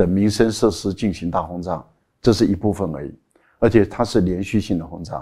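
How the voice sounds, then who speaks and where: Against a quiet background, a man with a fairly low pitch and a dark, mellow tone speaks at a moderate pace. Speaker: political commentator. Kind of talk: talk show panel discussion. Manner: animated. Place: studio. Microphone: lapel.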